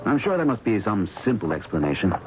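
An actor playing an earnest, polite young doctor in a 1970s radio drama, slightly hesitant. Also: male voice, on the low side, big pitch swings, fast talker. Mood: earnest, concerned. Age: young adult. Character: earnest young male doctor fresh from medical school. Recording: muffled, very noisy old radio broadcast.

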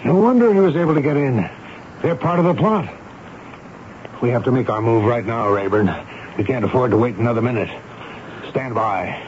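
An actor playing a stern, commanding army commander questioning subordinates with clipped authority in a 1970s radio drama. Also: male voice, medium pitch, animated, normal speed, long pauses, a little mellow, natural voice. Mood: urgent, decisive. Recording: muffled, noisy 1970s radio broadcast.

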